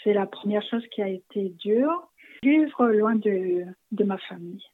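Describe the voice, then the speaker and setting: A woman in her fifties from Rwanda, answering interview questions softly and hesitantly, with many pauses. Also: medium pitch, expressive. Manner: soft-spoken, hesitant with frequent pauses. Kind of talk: personal interview. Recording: narrow phone-like audio.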